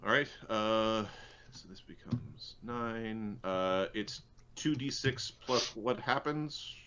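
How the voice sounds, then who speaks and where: A man's voice: on the low side, slow pace, sharp tone, clean tone. A man chatting casually as a tabletop game player, muttering apologetically through rules and sums on a muffled microphone. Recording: muffled lo-fi mic, background noise.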